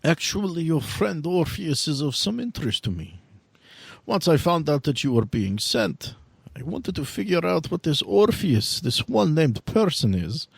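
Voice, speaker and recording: A man voicing a courtly, shrewd old vampire power broker, speaking in stiff, formal, deliberate phrases. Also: a little high, big pitch swings, creaky, breathy edge, no echo, full character voice. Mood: intrigued, storytelling. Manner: formal, deliberate, avoids contractions. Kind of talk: in-character tabletop roleplay.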